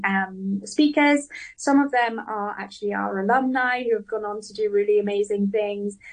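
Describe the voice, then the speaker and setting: A woman's voice: medium pitch, far from the mic, poor audio. A woman guest on a radio interview who explains a community program in an upbeat way, with frequent ums.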